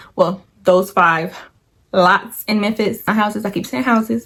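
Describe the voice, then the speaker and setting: The speaker is a woman with a medium pitch. Her voice is somewhat breathy, with ordinary pitch variation. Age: 20s. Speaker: vlogger and real estate developer. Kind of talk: casual vlog talk to camera. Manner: fast.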